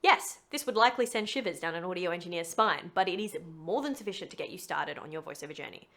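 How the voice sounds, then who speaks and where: A woman's voice: lowish voice, animated, fast talker, a bit bright. A woman narrating a scripted tutorial in a chatty, playful way with wry asides. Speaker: voice actor giving a tutorial.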